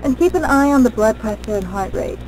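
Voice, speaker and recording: A woman playing a composed, drily teasing chief scientist in an audio drama, measured and formal. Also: on the high side, lively intonation, darkish tone, faint music behind, natural voice, rough recording. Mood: drily amused.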